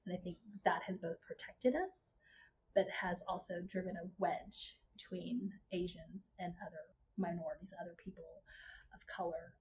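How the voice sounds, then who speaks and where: A woman's voice: fairly low pitch, moderate pace. A woman in her forties with a Texas twang, talking frankly and chattily as a guest in a casual interview. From Houston, Texas, born in Vietnam. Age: 40s. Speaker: podcast guest. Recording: muffled with steady background noise.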